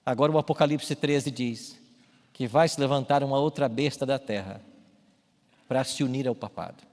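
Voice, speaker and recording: A man preaching a sermon as a pastor in a church, speaking emphatically and building to loud calls. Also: mid-range voice, normal speed. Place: church with baptismal tank. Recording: long hall reverb, faint music.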